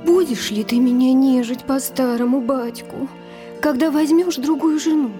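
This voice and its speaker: An actress voicing a gentle young daughter, asking her father in a tender, pleading way, in a radio play. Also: high voice, moderate pace, soft background music, natural voice.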